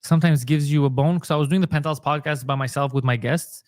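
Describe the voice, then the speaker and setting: A man's voice: on the high side, fairly even intonation, fast talker, no room sound, studio quality. A comedian and podcaster from Montreal, a man, telling his story in a casual interview and acting out the dialogue he quotes. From Montreal, Canada.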